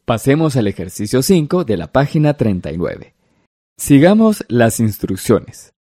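A man's voice: mid-range voice, sing-song, measured pace, warm tone, no echo, studio quality. A man co-teaching a language lesson on a broadcast, reading examples and explaining them.

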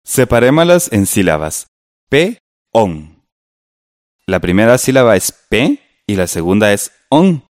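A man teaching a radio lesson in a slow, patient way, spelling out syllables. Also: fairly low pitch, very animated, dry recording, clean studio sound.

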